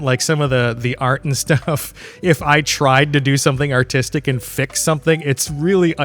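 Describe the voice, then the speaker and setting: A man hosting a solo podcast, talking in a casual, rambling, candid way with loose swearing and chuckles mid-sentence. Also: on the high side. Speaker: podcast host.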